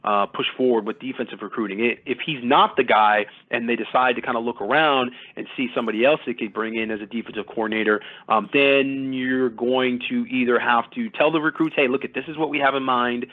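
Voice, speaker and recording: A man's voice: mid-range voice, fairly even intonation, brisk, few pauses. A man giving casual, detailed sports recruiting analysis as a guest, talking conversationally at length. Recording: thin phone-like audio.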